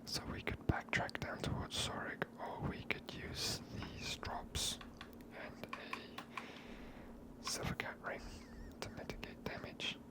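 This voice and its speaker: Whispering ASMR game player. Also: takes it slowly. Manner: hushed whispering. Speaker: game streamer.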